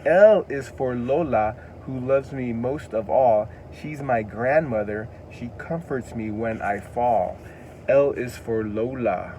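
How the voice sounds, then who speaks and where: Slow and dark-toned in a mid-range voice, a U.S. language teacher with a Californian accent reads a children's alphabet book aloud in a casual lesson. He repeats words for emphasis in an earnest, somewhat preachy way, and slight background noise is present.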